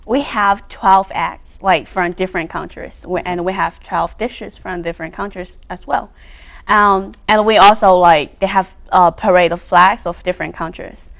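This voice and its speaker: A young woman from China whose first language is Chinese, with a lowish voice. She speaks English haltingly, fills her sentences with "like," and answers the host with short agreements. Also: steady tone, vocal fry, a bit bright. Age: young adult. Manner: halting, says "like" often, short affirmations. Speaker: student guest.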